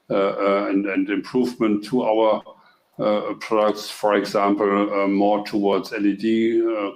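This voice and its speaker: A somewhat low male voice answers investor questions on an echoey call. The intonation stays level and the explanation comes haltingly, as from a company executive.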